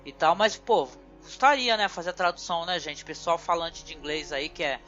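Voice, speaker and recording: A woman's voice: lowish voice, moderate pace, a bit bright. A woman from Brazil hosting a podcast in casual chat, talking loosely and filling constantly with little tag words. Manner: chatty, fills with "né" constantly. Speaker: podcast host. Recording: dull lo-fi audio with faint music.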